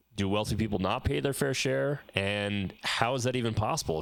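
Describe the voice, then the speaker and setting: A man with an ordinary speaking voice and a fairly low pitch talks at a moderate pace with lively intonation. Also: hardly any pauses, very even loudness. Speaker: co-host, interviewer. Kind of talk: casual chat.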